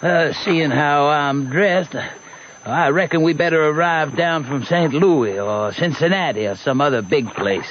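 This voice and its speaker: An actor playing a pompous, sly American rascal posing as royalty in an old radio drama, hemming sanctimoniously. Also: male voice, a little high, natural voice. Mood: grandly scheming. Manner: hemming, slow, theatrically sanctimonious. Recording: dull, faintly noisy old radio recording.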